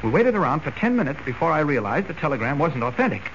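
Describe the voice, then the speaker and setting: An actor playing an earnest young newspaper reporter who talks urgently and stammers when cornered, in 1940s radio acting. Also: male voice, fairly high pitch, big pitch swings, quick pace. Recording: dull, hissy old radio recording.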